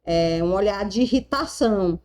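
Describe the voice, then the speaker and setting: A woman's voice: mid-range voice, animated, normal speed, darkish tone. A woman with a Brazilian Portuguese accent retelling a romance novel in a chatty, casual way, full of tag questions. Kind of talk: casual storytelling.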